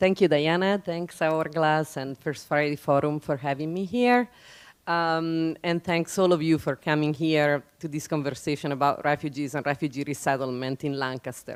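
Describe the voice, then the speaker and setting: A woman speaks at a moderate pace with ordinary pitch variation and a very deep, low pitch. The recording is very clean, with a silent background. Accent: Italian. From Italy. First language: Italian. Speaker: nonprofit office director. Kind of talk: public talk. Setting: forum with live audience.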